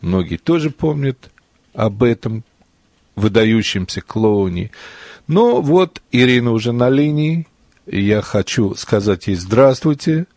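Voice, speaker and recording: A man hosting a radio talk show from a studio, talking in a measured, deliberate way with small fillers as he interviews a guest. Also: medium pitch, expressive, a little mellow, dry recording. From former Soviet Union. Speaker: radio host. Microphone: studio mic.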